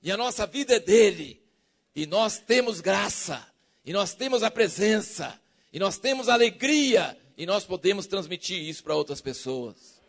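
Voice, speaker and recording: A man preaching a sermon with a Brazilian Portuguese accent. He is fervent and jokey, questions his congregation, and swings from loud shouts to soft low lines. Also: lively intonation, normal speed.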